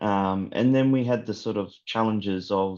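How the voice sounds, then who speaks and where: The background is quiet. A man with an Australian accent speaks at a moderate pace. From Northern Australia. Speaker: drone software company founder. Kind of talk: interview. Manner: halting, many fillers.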